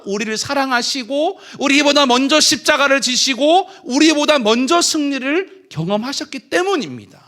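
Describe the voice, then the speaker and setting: A man in his thirties preaches from the pulpit, telling his own story with animated flair. His voice sits high and bright, and his pitch swoops widely as he acts out the scenes. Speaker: pastor. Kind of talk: sermon with personal story.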